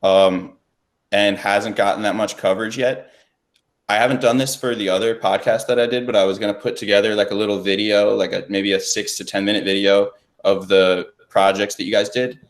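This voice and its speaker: Male interview host, fairly low pitch, casual conversational delivery. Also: steady tone, brisk. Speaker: podcast host.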